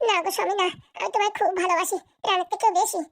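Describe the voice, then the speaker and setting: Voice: very high voice, flat delivery, racing, vocal fry. A performer voicing a meek, evasive young wife in a Bangla comedy cartoon, placating and protesting. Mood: pleading.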